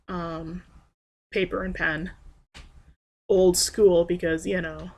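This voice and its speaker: A young trans man rambling in a personal video diary, hesitant and soft-spoken with frequent pauses and restarts. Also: sits high, flat delivery, gravelly. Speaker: vlogger.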